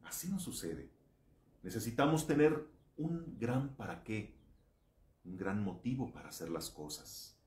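Low-voiced Mexican priest giving an animated motivational talk. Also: male voice, unhurried. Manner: animated, rhetorical questions, emphatic storytelling. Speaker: Catholic priest. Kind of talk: motivational religious talk to camera. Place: small indoor room. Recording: echoey room.

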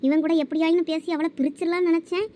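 A woman playing a scheming, spiteful ex-lover in a village drama, with a low calculating tone. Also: fairly even intonation, racing, mellow. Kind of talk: village web-series acting.

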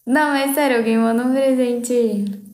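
A woman's voice: on the high side, steady tone, normal speed, a little mellow, reverberant. A young adult woman with a Brazilian accent chatting casually and playfully on a livestream. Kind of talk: casual live-stream chat. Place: small indoor room at home.

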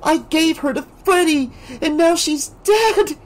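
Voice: extremely high pitch, measured pace, pitched above the performer's own voice. A reader voicing a frightened, haunted teenage girl who talks tremulously and pleads to be believed. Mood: desperate. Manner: tremulous, whispering.

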